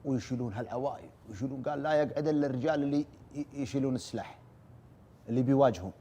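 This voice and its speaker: A man retelling a war story as an oral storyteller, brisk and earnest, repeating "he says" as he goes. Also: medium pitch, mellow, dull audio, a little hiss or hum.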